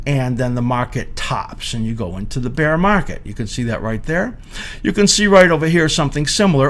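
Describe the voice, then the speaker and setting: A man in his sixties giving informal explanatory commentary as a market analyst, speaking haltingly with frequent hesitations. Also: mid-range voice. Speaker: market analyst presenting a video series. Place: indoor studio or office at a desk.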